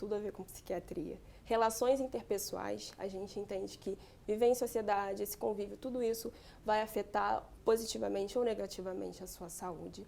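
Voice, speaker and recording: At a fairly quick pace, a woman speaks with a dark, mellow tone, vocal fry, and fairly even intonation. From Rio de Janeiro, Brazil. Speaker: psychiatrist. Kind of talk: TV interview.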